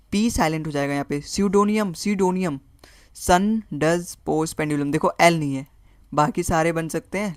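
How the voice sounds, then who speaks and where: Recorded cleanly in a studio without echo, a man whose voice is a little high leads an online exam-prep reasoning class in Hindi blended with English. Going over every answer choice out loud, he repeats words and keeps checking on his students.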